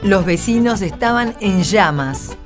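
A woman's voice: medium pitch, lively intonation, measured pace. A woman with an Argentine accent narrating a scripted radio drama. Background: plucked guitar music.

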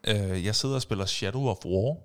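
A man hosting a podcast, telling personal stories in a casual chat and acting out screams and sound effects. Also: fairly low pitch. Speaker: podcast host.

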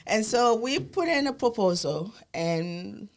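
A woman's voice: medium pitch, expressive, takes it slowly. A woman from Haiti with a Haitian accent, a magazine publisher telling her story as a guest on a casual podcast.

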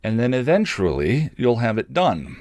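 A middle-aged man hosting an online show, speaking in a candid, halting, thoughtful personal monologue. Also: mid-range voice, wildly swooping pitch, a little mellow, no room sound, studio quality.

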